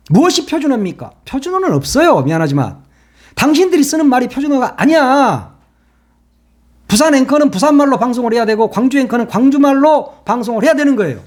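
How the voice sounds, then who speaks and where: A man's voice: very high voice, a little mellow. An older man, a former broadcaster turned online commentator, ranting and scolding in sarcastic rhetorical questions.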